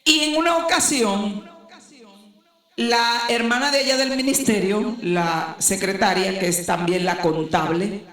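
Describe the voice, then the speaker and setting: An older woman pastor preaching a sermon, swinging between loud emphatic outbursts and low, slow, deliberate phrases. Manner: emphatic preaching, rising to shouts then dropping low. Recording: echoey room.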